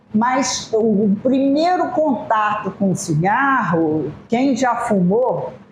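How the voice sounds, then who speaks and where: Woman at a fairly high pitch, very slow with hardly any pauses, very even loudness and very wide pitch swings, amid audible room echo and noticeable background noise. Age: 60s. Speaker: pulmonologist. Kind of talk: lecture. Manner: halting.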